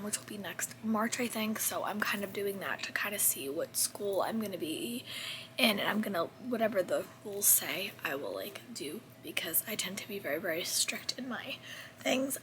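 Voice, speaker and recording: Woman, 30s, book vlogger, voice nearly gone, breathy and hoarse, bright tone, faint noise behind. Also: medium pitch, poor audio. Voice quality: breathy, half-whispered. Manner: chatty, rambling with self-corrections. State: hoarse, losing her voice. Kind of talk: casual book wrap-up chat.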